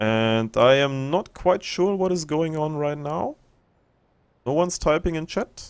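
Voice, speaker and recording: Speaking with a German accent, a man uses a fairly high pitch, ordinary pitch variation and a fairly slow pace. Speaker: esports caster. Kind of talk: live commentary. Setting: livestream broadcast. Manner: slightly halting.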